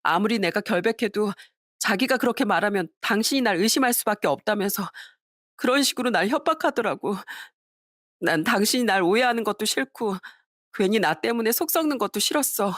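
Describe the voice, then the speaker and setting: A woman's voice: medium pitch, animated, fairly quick, a bit bright, dry recording, clean studio sound. A woman voicing a harassed young wife who speaks in an emphatic, accusing way. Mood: confiding.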